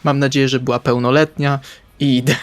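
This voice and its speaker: A man playing a tabletop RPG, narrating his character's actions in the first person in short, deliberate phrases. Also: mid-range voice, little pitch movement. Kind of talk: first-person roleplay narration over game session. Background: soft guitar music.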